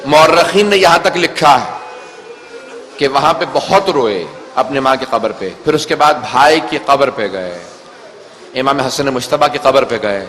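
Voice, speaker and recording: A man's voice: mid-range voice, expressive, fairly bright tone, long reverb tail. A man, a Muslim cleric, gives an emotional mourning sermon at a Muharram gathering, telling the story in a pleading way. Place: mosque or hall before a gathering.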